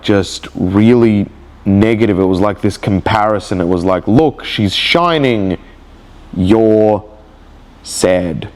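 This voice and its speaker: A man recording a personal video diary, speaking in a slow, halting, reflective way with many restarts. He has a cold, and his nose sounds blocked. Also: fairly low pitch. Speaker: vlogger.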